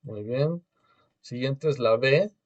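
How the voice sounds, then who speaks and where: A man's voice: mid-range voice, slow, lo-fi sound. A man teaching a beginner language class online over a video call, patiently drilling pronunciation and having students repeat after him.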